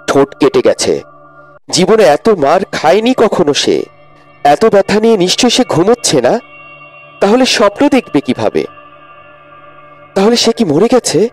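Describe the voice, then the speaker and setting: Expressive male storybook narrator. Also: on the high side. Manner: expressive, rising with tension. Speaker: audiobook narrator.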